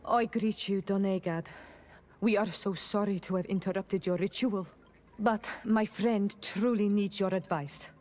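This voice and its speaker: A woman's voice: medium pitch, a little slow, a little mellow, soft background music, close to an everyday voice. A woman playing a proud, earnest young tribal healer in a video game, formal and respectful. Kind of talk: video game cutscene acting.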